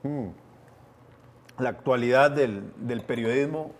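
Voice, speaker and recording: Costa Rican male host, relaxed chat, nudges the guest along with short prompts. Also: medium pitch, slow pace, a little hiss or hum. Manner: prompting, brief supportive interjections. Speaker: talk show host. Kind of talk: casual interview chat.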